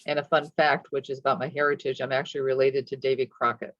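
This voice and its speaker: A woman from the Chicago suburbs introducing herself on a video call in a chatty, halting way, with frequent restarts. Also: rumbling low, flat delivery, a bit bright, no echo. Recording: muffled, dry call audio.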